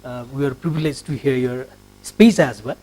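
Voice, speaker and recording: A man's voice: medium pitch, normal speed, mellow, a little hiss or hum, low-quality recording. A man from Nepal with a Nepali accent, politely putting long, wordy questions as a television interviewer. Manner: polite, wordy questions with frequent filler phrases. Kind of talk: formal broadcast interview.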